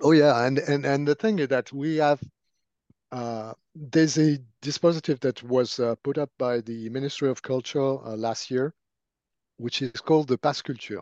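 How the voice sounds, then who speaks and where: With a French accent, a man speaks at a fairly high pitch in a dry, close sound with no echo. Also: ordinary pitch variation, moderate pace, quiet background. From France. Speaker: comics critic and analyst. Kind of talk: interview. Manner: halting, many fillers.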